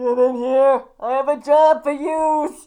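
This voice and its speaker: A high-pitched, female-sounding put-on character voice at a fairly slow pace. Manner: commanding, booming.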